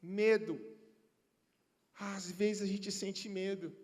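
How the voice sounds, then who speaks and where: A man in his thirties, a pastor preaching a sermon, moving from soft personal storytelling to shouted passion. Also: sits high, steady tone, drawn-out words. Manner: impassioned, swings between soft storytelling and shouting. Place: large church hall. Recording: church broadcast with long hall reverb.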